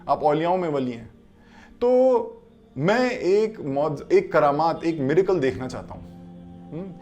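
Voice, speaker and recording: A man voicing an eager, excitable young man who travelled far. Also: a little high, faint music behind, lightly acted.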